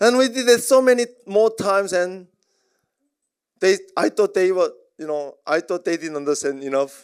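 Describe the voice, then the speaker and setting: A man with a Korean accent speaks at a fairly slow pace in an animated tone with very wide pitch swings. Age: 30s. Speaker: motivational business speaker. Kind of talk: motivational seminar speech.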